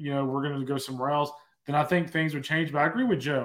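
This male speaker's voice sits fairly high. The intonation barely moves. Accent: Texan. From Texas. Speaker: college baseball journalist. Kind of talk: casual chat.

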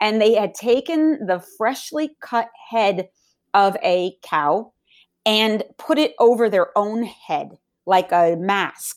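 A woman with a New Jersey accent speaks very slowly, her pitch fairly high and her intonation lively. Her loudness stays very even on a very clean recording with a silent background. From US Northeast, New Jersey. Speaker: yoga teacher and author. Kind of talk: podcast interview.

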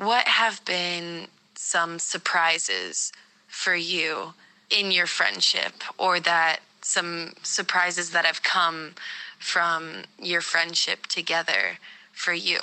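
Loudness stays very even and intonation fairly even as the words come at a very slow pace. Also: woman, fairly low pitch for a woman. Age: 20s. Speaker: law student. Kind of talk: interview questions.

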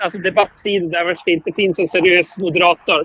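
Someone talks at a fairly quick pace in a dry, close sound with no echo. Noticeable background noise is present. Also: man. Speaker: caller. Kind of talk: casual chat. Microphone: quiet phone line, turned up.

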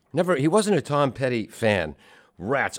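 This man talks at a moderate pace with an American accent and very wide pitch swings. The recording is very clean, with a silent background. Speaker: radio host. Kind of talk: live radio dj patter. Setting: radio studio. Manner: animated, jokey, rambling.

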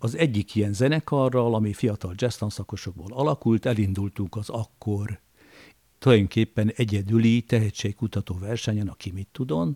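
A man speaks at a moderate pace with fairly low pitch, ordinary pitch variation and a dark, mellow tone. The sound is dry and close with no echo, on a very clean recording with a silent background. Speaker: film composer. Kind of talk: personal storytelling.

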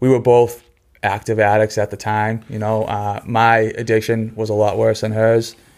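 In a Boston accent, a man with a fairly low voice speaks at a moderate pace in a monotone, flat intonation, on a very clean recording with a silent background. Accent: Boston-area Massachusetts. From Massachusetts South Shore (Hanson). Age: 40s. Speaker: person in addiction recovery. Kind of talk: personal testimony in casual interview.

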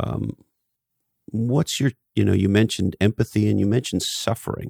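A man speaks with vocal fry in a very clean recording with a silent background, the sound dry and close with no echo. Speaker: podcast host. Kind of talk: casual interview chat. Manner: animated.

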